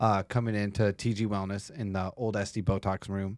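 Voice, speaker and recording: Recorded very cleanly against a silent background, with a dry, close sound and no echo, a man speaks fairly quickly at a fairly low pitch in a flat, monotone intonation. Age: 30s. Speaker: professional bodybuilder and gym co-owner. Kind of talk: casual chat.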